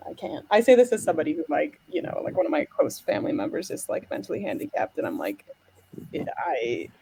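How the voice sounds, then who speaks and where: A woman's voice: lowish voice, huge pitch swings, fast, vocal fry, a little mellow, slightly rough. An American woman hosting a casual chat, rambling with many fillers. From United States. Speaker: podcast host.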